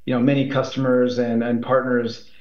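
A man being interviewed as a tech executive, speaking in halting phrases with many repeats and fillers. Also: mid-range voice, flat delivery, a little mellow. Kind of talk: interview answers. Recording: roomy, dull remote line.

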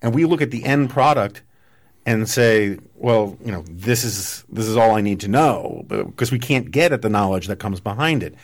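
A man with a somewhat low voice, hosting a relaxed conversation. He drifts through long, chatty tangents and builds his points with everyday analogies. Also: normal speed. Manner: discursive, riffing on analogies. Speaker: podcast host. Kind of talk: casual political conversation.

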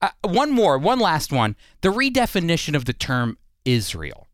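A man hosts a Christian radio conversation with an earnest, explanatory manner. His voice is smooth and clear, and the sound is dry and close. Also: a little high, wildly swooping pitch, moderate pace, fairly bright tone, no echo. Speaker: radio host.

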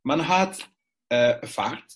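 A Dutch-accented man speaking German as a non-native, often pausing to search for words and switching into English. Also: mid-range voice, expressive, a little hiss or hum. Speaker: guest. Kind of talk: casual conversation.

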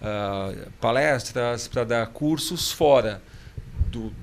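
A man's voice: mid-range voice, slow pace. A man with a Brazilian Portuguese accent, a podcast host telling anecdotes in slangy casual chat.

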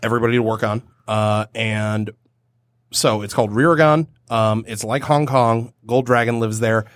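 A man's voice: mid-range voice, normal speed, no echo. A man co-hosting a podcast in a studio, chatting casually and rambling a little about building a tabletop game world. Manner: relaxed, rambling with restarts. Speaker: podcast co-host leading the session.

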